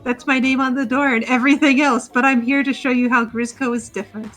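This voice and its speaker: A woman reading the lines of a folksy male bear company boss in her own fairly high voice, giggling as she goes. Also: fairly even intonation, fast talker, fairly bright tone, soft background music. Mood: folksy, salesy. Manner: friendly sales-pitch read with giggles.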